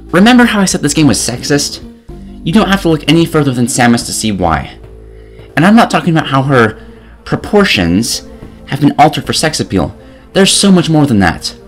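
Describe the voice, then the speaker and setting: Higher-pitched man ranting sarcastically over music. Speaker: video game reviewer. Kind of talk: scripted comedic review narration.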